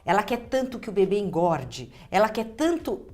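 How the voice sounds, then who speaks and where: A woman's voice: medium pitch, very animated, normal speed, a little mellow. A Brazilian woman speaking as a guest dentist, explaining clinical practice conversationally and restating phrases for emphasis.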